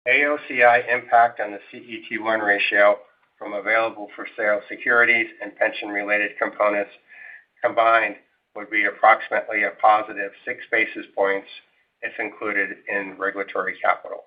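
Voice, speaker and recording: Over a narrow, tinny phone connection, a man with a fairly low voice delivers prepared financial remarks. He sounds like a company executive on an investor call, formal and measured in how he presents. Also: flat delivery.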